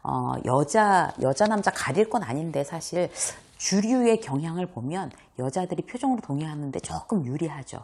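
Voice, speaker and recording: A woman hosting her own lesson on speaking well, talking straight to viewers in a lively way and acting out examples with frequent laughs. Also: low-pitched, moderate pace, hardly any pauses, husky. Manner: animated, acts out examples, laughs often. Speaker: host and workplace communication coach. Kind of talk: talking-head lecture.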